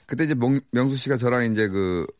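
A man in his forties who is a guest singer on a radio show, chatting with quick, jokey comebacks. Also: medium pitch, no room sound, clean studio sound. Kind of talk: casual radio interview.

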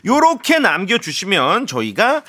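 A man's voice: high-pitched, wildly swooping pitch, a little slow, bright, forceful tone. A man co-hosting a radio quiz in a game show host manner, announcing rounds, questions and prizes.

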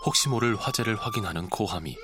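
A male voice actor giving scripted audiobook narration with expressive storytelling, recorded close on a studio mic. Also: lowish voice, quick pace, noisy background.

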